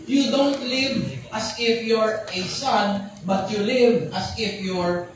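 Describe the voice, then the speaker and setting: A man preaches a lively sermon, joking and checking that his congregation follows him. His voice rings around a big, echoey hall and is picked up from some distance away. A steady background noise sits under the whole recording. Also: high-pitched, slow. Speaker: pastor.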